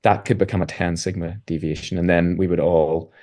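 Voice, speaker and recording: A man talking as a guest physicist in an interview, explaining in a thoughtful, measured way. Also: deep voice, steady tone, mellow. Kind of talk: casual interview talk.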